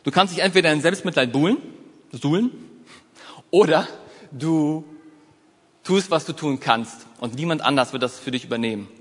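A man giving a motivational talk, telling a personal story in a lively way and speaking straight to his listeners. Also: on the high side, normal speed, long pauses, long reverb tail.

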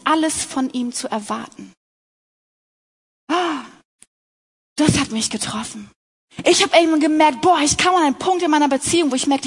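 High-voiced woman giving a sermon. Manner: earnest, personal, addresses women directly. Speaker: speaker at a Christian talk.

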